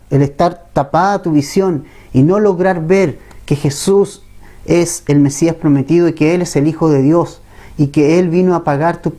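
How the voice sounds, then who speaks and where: Frequently questioning his congregation, a male pastor gives a conversational Bible-teaching sermon. He has a Chilean Spanish accent and a warm voice on the high side.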